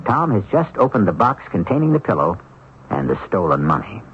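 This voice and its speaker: A man hosting a radio drama, narrating from a script in a deliberate, theatrical manner. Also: on the low side, sing-song, slight background noise. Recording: dull old radio broadcast. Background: loud music.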